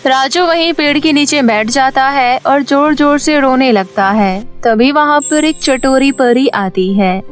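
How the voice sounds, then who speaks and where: Woman, story narrator, scripted children's tale, high pitch, light background music. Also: a little slow, hardly any pauses.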